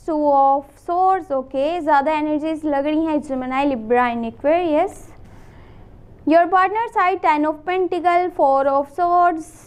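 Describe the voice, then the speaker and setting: A high-pitched woman gives a relaxed tarot reading, her throat a little hoarse. She speaks right to the viewer, rattling off lists and repeating her phrases as she goes. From Pakistan. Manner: addresses the viewer directly, repeats and lists phrases, mixes in English. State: sore throat, slightly hoarse. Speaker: tarot reader. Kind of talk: casual monthly tarot reading to camera.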